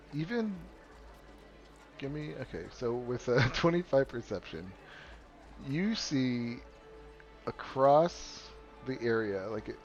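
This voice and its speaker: Casual male game master, rambling and chuckling, over faint music on a muffled mic. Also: medium pitch. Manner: casual, rambling, laughing often. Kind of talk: narrating a tabletop game.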